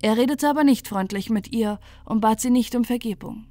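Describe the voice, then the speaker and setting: A woman calmly narrating a fairy tale for falling asleep, in a gentle, soothing manner. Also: on the high side, brisk. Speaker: storyteller.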